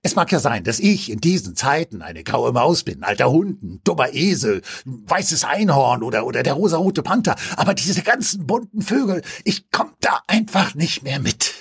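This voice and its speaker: A man doing mock-earnest, rambling satire in a deadpan manner. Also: fairly high pitch, moderate pace, hardly any pauses, very noisy. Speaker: satirical comedian. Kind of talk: mocking parody of interviews.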